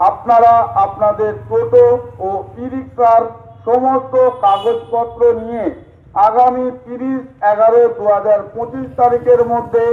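A man reading a formal scripted public announcement in a PA system manner. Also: very high voice. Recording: echoey, slightly muffled PA recording.

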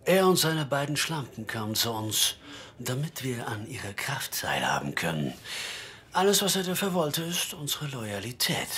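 An actor in a German radio play playing a menacing, mocking gang boss with a theatrical, drawn-out delivery. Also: male voice, mid-range voice, big pitch swings, pushed and bright. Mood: gleeful, menacing. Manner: theatrical, slow, drawn-out taunting with chuckles.

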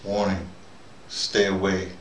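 A middle-aged American man with a low voice hosts a casual video dispatch, heard in an echoey room some way from the mic with clear background noise. He rambles in a halting way, repeating words and wandering off on digressions. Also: little pitch movement, a bit bright, distant mic. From North America. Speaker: host of a personal video dispatch. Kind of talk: rambling casual monologue to camera.

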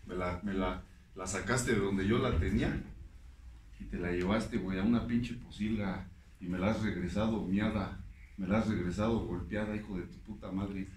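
A man voicing an older father-in-law with a Mexican accent, speaking slowly, heavily and reproachfully. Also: low-pitched, fairly even intonation, darkish tone, a little hiss or hum, voice pushed down, close to an everyday voice. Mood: bitter reproach. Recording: echoey room, mic at a distance.

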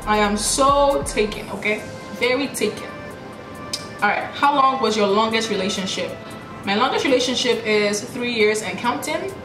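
A woman's voice: fairly high pitch, echoey room, rough recording. A woman in her late twenties, from Nigeria, chatting to her viewers in a casual get-to-know-me vlog, laughing at herself as she answers questions. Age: late 20s. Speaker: YouTuber. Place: small indoor room.

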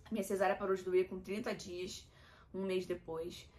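A woman's voice: on the low side, flat delivery, normal speed, darkish tone. A young adult woman with a Brazilian Portuguese accent, talking candidly and emotionally to her viewers in a personal vlog. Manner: emotional, confiding, addresses viewers as "gente". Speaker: vlogger.

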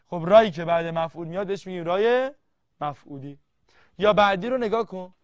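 A man teaching a literature grammar lesson, quizzing the class and reading verses slowly word by word. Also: sits high, dry recording, lo-fi sound. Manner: lively, quizzing students and answering himself.

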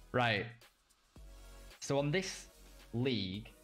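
A young British man casting a live video game match, reacting quickly and cracking jokes between calls. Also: medium pitch. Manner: quick reactive play-by-play, jokey asides. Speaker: caster. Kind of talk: live esports play-by-play commentary.

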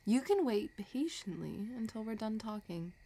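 A woman playing a possessive, scheming villain in a romantic audio roleplay, talking in a soft, teasing, calculating way. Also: a little high, very animated, moderate pace, breathy edge, heavily acted. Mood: wary, impatient. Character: possessive, scheming female villain obsessed with her crush.

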